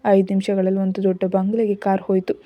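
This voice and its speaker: A woman reading a story aloud as narrator, in a steady, even storytelling manner. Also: medium pitch, quick pace, dry recording, dull audio.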